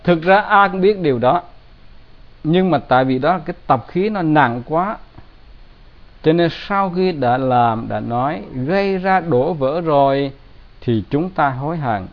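A man giving a Buddhist dharma talk in a plain, conversational way with gentle humor. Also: on the high side, animated, unhurried. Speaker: Buddhist teacher. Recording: dull lo-fi recording.

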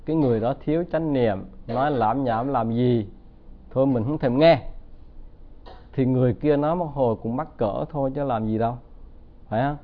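A man gives a Buddhist dharma talk in a somewhat high voice. He tells stories and keeps checking that the audience agrees. The sound is thin and tinny, like a phone line. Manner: storytelling, asking the audience for agreement. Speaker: Buddhist teacher.

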